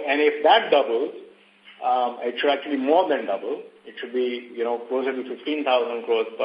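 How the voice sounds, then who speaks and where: Male executive, medium pitch, halting and measured earnings-call delivery, dull roomy audio with plenty of echo. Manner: measured, halting, pausing mid-sentence. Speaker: bank executive presenting quarterly results. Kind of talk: earnings call presentation, semi-scripted. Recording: echoey, muffled conference call audio.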